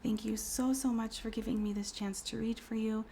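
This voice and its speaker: A woman in her thirties doing a casual tarot reading, hoarse from a cold, speaking softly and often in a whisper with many fillers. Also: fairly high pitch, fairly even intonation, normal speed, a little hiss or hum. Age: 30s. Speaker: tarot reader.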